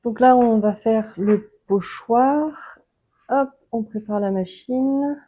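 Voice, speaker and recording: A woman's voice: fairly high pitch, slow, slightly rough, low-quality recording. A woman with a French accent, chatting casually through a book-crafting tutorial with frequent hesitations. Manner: relaxed, chatty, many hesitations.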